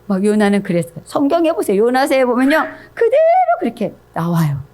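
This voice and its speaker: A woman giving an animated sermon, telling the story with a voice that swings between soft and loud. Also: high voice, fairly quick. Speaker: pastor's wife preaching.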